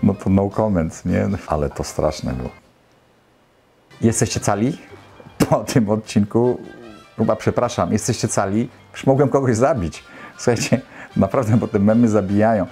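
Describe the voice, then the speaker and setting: A man's voice: lowish voice, moderate pace, warm tone, soft background music. A man in his fifties giving casual, exclamatory, colloquial commentary as a host reacting to clips. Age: 50s. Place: small indoor home studio.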